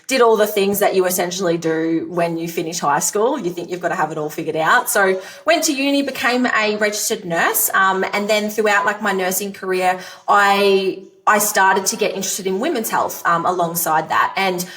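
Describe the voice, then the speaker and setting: A woman's voice: mid-range voice, moderate pace, few pauses, a bit bright, far from the mic. A woman in her thirties from Australia with a rural Australian accent, a coach chatting as a podcast guest in an upbeat, explanatory way. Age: 30s. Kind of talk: podcast interview conversation.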